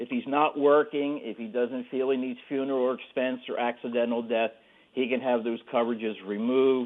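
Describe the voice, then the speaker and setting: Man with an unremarkable speaking voice, medium pitch, fairly even intonation, fairly quick pace. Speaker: retired insurance agent. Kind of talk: radio call-in. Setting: phone call.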